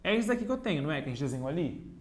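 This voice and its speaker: Racing along in a high voice with big pitch swings, a man teaches chemistry on video at a digital whiteboard, with a little hiss or hum in the recording. He speaks straight to his students and repeats key points step by step. Playful jokes and self-teasing come in between explanations.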